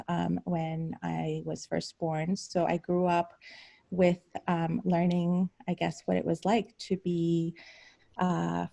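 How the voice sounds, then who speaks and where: Woman from iran on a zoom call, lots of ums, low gravelly mellow voice. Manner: hesitant, many ums and pauses. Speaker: psychiatrist guest speaker. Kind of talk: casual personal story on a video call. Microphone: video call.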